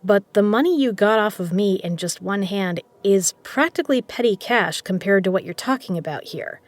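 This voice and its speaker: A woman's voice: medium pitch, expressive, moderate pace, lightly acted. Woman playing a shrewd, businesslike poker legend. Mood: probing, firm. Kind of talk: scripted audio drama dialogue.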